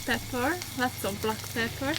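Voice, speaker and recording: Chatty higher-voiced woman vlogging outdoors. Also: normal speed, heavy background noise. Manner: giggly, chatty. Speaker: vlog host. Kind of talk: casual outdoor cooking vlog, explaining a recipe. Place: outdoors on a farm.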